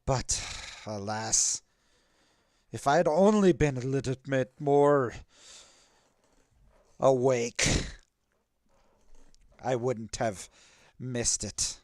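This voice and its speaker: Guy playing a big mean lady black dragon, slow and bossy, dry close sound. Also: mid-range voice, a little mellow, no echo. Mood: imperious. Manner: slow, imperious threats. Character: huge menacing female black dragon.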